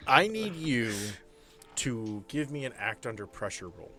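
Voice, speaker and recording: A man's voice: mid-range voice, sing-song, measured pace, music in the background. A man speaking informally as game master, narrating a tabletop horror game. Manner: informal, profane.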